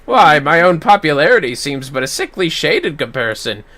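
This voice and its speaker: A man voicing a courteous, eloquent warrior-mentor from a fantasy game, measured and grand in archaic phrases. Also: a little high, sing-song, pushed and bright, pitched below the performer's own voice.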